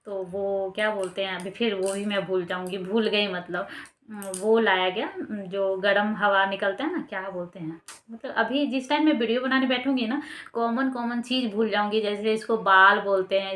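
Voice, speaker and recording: A woman's voice: mid-range voice, a bit bright, echoey room. A young adult woman vlogger telling a personal story in a casual, rambling way with many fillers.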